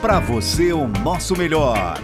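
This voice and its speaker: A male announcer reads sponsor slogans slowly and with weight. His pitch rises and falls in a lively way. A loud guitar track plays underneath him. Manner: slow, emphatic slogan delivery. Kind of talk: commercial voice-over. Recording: voice over loud music.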